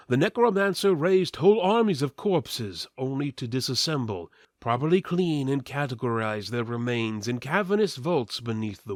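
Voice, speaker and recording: A man's voice: medium pitch, dry recording, clean studio sound. A man giving a portentous, mock-serious dramatic reading of an epic fantasy story. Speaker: narrator, reader.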